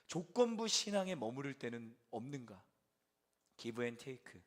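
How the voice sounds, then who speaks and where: A young adult man preaching a sermon to a church service, swinging from loud pleading to hushed, almost whispered lines. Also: on the high side. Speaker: pastor.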